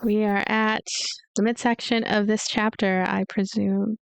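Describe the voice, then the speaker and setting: A woman's voice: medium pitch, little pitch movement, a little slow, vocal fry, a little hiss or hum. A woman hosting a let's play, reading a visual novel aloud with casual commentary. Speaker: let's play host and narrator. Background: game music.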